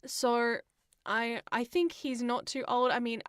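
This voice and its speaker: A woman's voice: fairly high pitch, fairly even intonation, unhurried, smooth, no echo, clean studio sound. A woman chatting casually as a podcast co-host, informal and opinionated in the way she talks. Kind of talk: casual chat about games and films.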